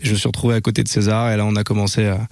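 A young man, a musician guest, answering casually in a relaxed, halting way and repeating words. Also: on the low side, dry recording.

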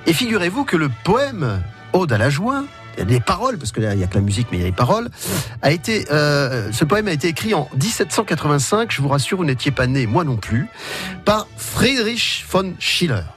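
A man's voice: on the high side, very animated, fairly quick, fairly bright tone, faint music behind. A man hosting a local radio show, chatting casually with playful asides to his listeners. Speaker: radio host.

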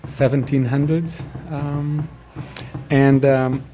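A man from Portugal, a graffiti artist speaking haltingly in a street interview, with many pauses and ums. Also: mid-range voice, level tone, mellow, a little hiss or hum. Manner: hesitant, halting, full of ums.

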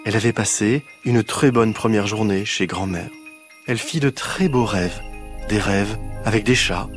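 A man reading a children's story aloud in a slow, expressive storytelling manner. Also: fairly low pitch, soft background music.

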